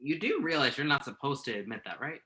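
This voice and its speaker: A bright, forward-sounding male voice at a middle pitch. A man acting as an earnest, slightly nervous magazine journalist in a naturalistic stage play reading. He speaks tentatively and thoughtfully, as in a conversational interview. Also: big pitch swings, fast talker. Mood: curious, probing. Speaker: actor in a virtual staged reading.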